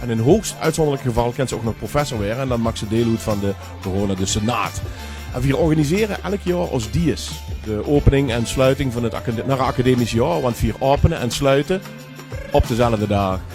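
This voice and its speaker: Over music in the background, a man with a medium pitch talks at a fairly quick pace with lively intonation. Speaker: vice-president of a carnival humor society. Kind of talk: interview answer.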